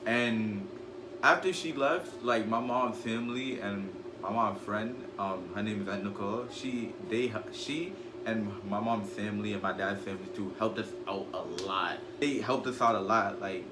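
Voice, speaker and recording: A man's voice: fairly low pitch, moderate pace. A fifteen-year-old boy from Guyana answering interview questions in an outspoken, talkative way. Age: teens. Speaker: student guest. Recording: echoey room with noise.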